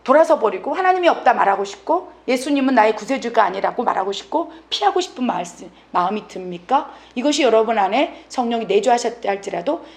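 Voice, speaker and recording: A woman missionary pastor preaching with fervor and drama. Her voice sits high and bright, and she drops to a hush at times for effect. The delivery is earnest and insistent. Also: lively intonation, quick pace, few pauses. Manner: fervent, dramatic preaching with sudden soft drops. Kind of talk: sermon.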